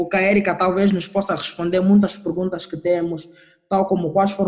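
Here a man talks at a moderate pace in a high pitch. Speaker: podcast host. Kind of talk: moderated panel discussion.

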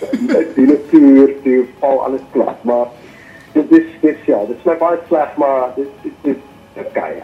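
Noticeable background noise runs under this man's voice. His pitch is fairly high with ordinary variation. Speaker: singer-songwriter. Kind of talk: casual chat. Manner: halting.

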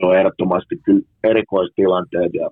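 A man with a fairly low voice talks at a fairly slow pace. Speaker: hockey commentator. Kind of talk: interview. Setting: phone call. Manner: energetic.

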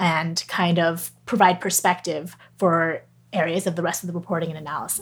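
A woman's fairly low, somewhat breathy voice, flat and monotone, at a fairly quick pace. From Northern California (Sunnyvale), moved from Wuhan, China at five. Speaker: author. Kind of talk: interview conversation.

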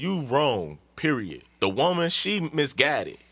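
A man's fairly high, bright, sharp voice with vocal fry, on a very clean recording with a silent background. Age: 20s. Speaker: podcast guest. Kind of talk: casual chat. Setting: studio.

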